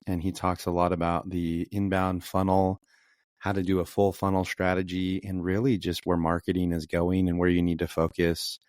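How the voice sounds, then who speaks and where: Low-voiced man over poor earbud audio. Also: darkish tone. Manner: upbeat, enthusiastic, repeats praise. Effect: low-quality earbud mic audio. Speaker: podcast host. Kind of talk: casual interview hosting. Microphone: wireless earbuds mic. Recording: thin, distant earbud-mic recording.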